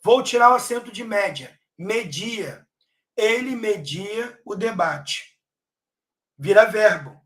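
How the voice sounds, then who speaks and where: A Brazilian Portuguese-speaking man teaching an online grammar lesson for an exam, stressing key words loudly and checking in often with his students. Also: high-pitched, unhurried.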